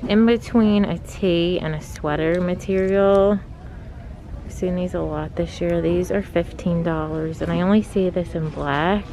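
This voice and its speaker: Low, even-toned woman chatting casually. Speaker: shopping vlogger. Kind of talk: casual shop-with-me commentary. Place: inside a large retail clothing store. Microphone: handheld camera mic, speaker behind camera. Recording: faint background noise, store ambience.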